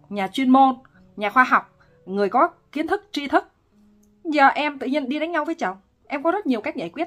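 A woman who works as a relationship counselor offers casual advice in a fairly high voice, speaking with lively emphasis and laughing often.

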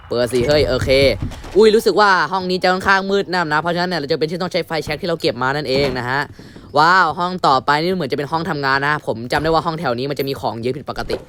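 A young man commentating a horror game playthrough, switching between a mock-polite announcer tone and crude, shouty outbursts. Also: a little high, racing, a little hiss or hum. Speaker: gamer commentating his playthrough. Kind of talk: casual gameplay commentary.

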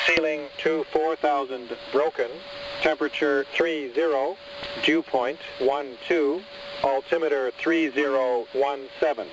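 A man's voice: on the high side, distant mic. A man reading a formal military aviation weather bulletin in clipped phrases and single digits over shortwave radio with a heterodyne whistle. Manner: clipped, formulaic phrases with digits read one by one. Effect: shortwave radio transmission. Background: loud radio static and whistle.

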